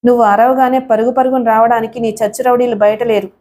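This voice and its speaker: A woman's voice: on the high side, flat delivery, quick pace, warm tone, slight background noise, lightly acted. A woman reading a stern righteous hero. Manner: firm, scolding. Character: brave young male hero, righteous and stern.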